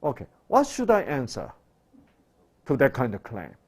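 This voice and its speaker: Male preacher; slow, very lively pitch, quizzes the congregation. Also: husky. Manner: asks rhetorical questions and answers them; swings between loud emphatic bursts and quiet low asides. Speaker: pastor. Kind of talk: sermon.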